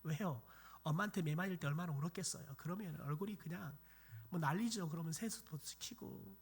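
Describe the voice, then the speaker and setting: Recorded in a church sanctuary, this middle-aged pastor delivers a sermon built on homespun family tales, mimicking relatives scolding and sinking into whispers to make a point. His voice is on the high side, slightly rough with vocal fry, and a little fast.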